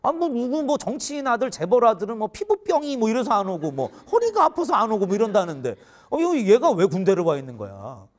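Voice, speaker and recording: A man in his forties, a teacher, telling a funny story in an animated way and often laughing mid-sentence. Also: high voice, fast talker, hardly any pauses. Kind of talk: humorous storytelling lecture.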